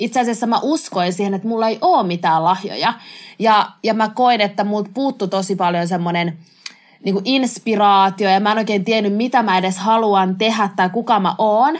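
A woman's unremarkable speaking voice, medium in pitch, with ordinary pitch variation at a moderate pace. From Helsinki, Finland. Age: 20s. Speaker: podcast co-host, student. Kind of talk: casual chat.

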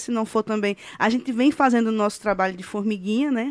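A woman talks in a normal speaking voice at a fairly quick pace with ordinary pitch variation. The sound is dry and close with no echo. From Aracaju, Sergipe, Brazil. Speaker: singer in a forró duo. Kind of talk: casual podcast interview.

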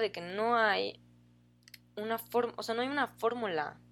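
A woman's fairly high voice at a fairly slow pace. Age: 30s. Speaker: youtuber and podcaster. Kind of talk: casual chat.

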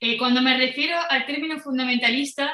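A woman's high, bright, sharp voice, raised and projected, with ordinary pitch variation. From Venezuela. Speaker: illustrator and philosopher. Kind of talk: interview conversation.

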